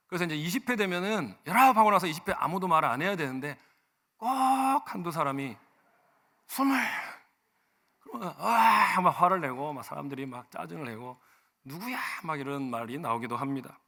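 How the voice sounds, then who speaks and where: A man preaching in a church sanctuary, his slightly high voice bright and forceful. He talks conversationally, telling personal stories and swinging from hushed asides to loud, emphatic lines. A long church reverb trails behind every phrase. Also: fast talker, hardly any pauses. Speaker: senior pastor. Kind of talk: sermon.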